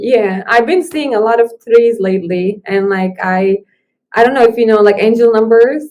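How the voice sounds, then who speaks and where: Moderate pace, ordinary pitch variation and a Turkish accent. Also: woman, fairly high pitch for a woman. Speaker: basketball player's wife, influencer. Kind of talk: casual chat.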